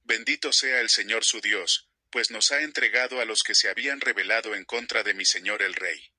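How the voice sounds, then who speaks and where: A man reading the lines of an eager young male messenger in an earnest, even way. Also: lowish voice, moderate pace, slightly rough, no echo, heavily acted.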